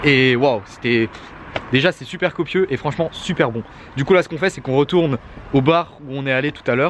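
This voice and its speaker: Fairly quick speech from a man at fairly high pitch, ordinary pitch variation, long and frequent pauses, and noticeable background noise. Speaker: travel vlogger. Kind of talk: casual vlog talk to camera. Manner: soft-spoken.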